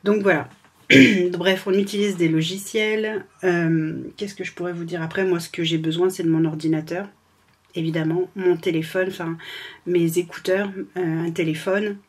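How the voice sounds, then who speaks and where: Husky French woman with a sore throat. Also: fairly low pitch, steady tone, normal speed. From France. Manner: hesitant, many fillers and restarts, laughs often. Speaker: freelance administrative assistant. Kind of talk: casual vlog chat. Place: at home.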